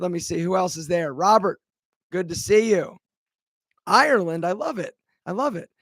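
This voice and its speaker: An upbeat man hosts a live stream in a fairly high register, talking close to the mic in a dry, dead room. His voice is a little rough from allergies, and he rambles cheerfully between greetings and side stories. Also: no room sound. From Philadelphia. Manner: energetic, chatty, greets viewers by name. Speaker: livestream host. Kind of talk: casual live Q&A chat.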